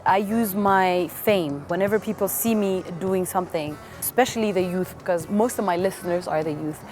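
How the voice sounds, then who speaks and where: Earnest woman, low voice. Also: moderate pace, a little mellow, soft background music. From Ethiopia. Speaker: singer. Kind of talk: documentary interview.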